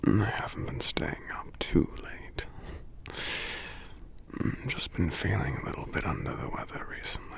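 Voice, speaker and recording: A man playing a sick, gentle giant lover in an ASMR roleplay, murmuring drowsily and tenderly in a breathy whisper with gravelly hums. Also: low voice, expressive, heavily acted. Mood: weary, affectionate. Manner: slow, tender, halting, murmuring hums between phrases. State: drowsy, under the weather.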